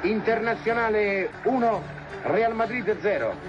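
A man's voice: high voice, a little slow. A man giving vintage football match commentary in an archive broadcast. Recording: dull archive broadcast under loud music. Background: loud music.

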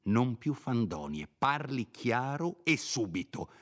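A man's voice: medium pitch, big pitch swings, takes it slowly, voice pushed up. A man reading aloud and voicing an angry young villager who threatens and insists on answers. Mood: threatening. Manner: forceful, insistent demands.

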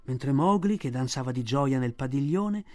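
A man reading a children's classic aloud for a radio audiobook, with measured, vivid storytelling. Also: medium pitch, animated, dark tone. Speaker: reader.

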